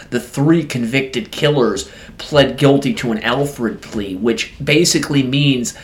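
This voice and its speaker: A man narrating a true crime podcast as its host, reading from a script in a blunt, opinionated way. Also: medium pitch.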